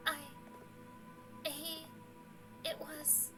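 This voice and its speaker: A woman voicing a timid, secretive teenage girl in a game, pleading in a halting, fragile way. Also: sits high, completely flat delivery, over loud music, voice pushed up. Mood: shaken, confessing. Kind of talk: amateur game dub read-through.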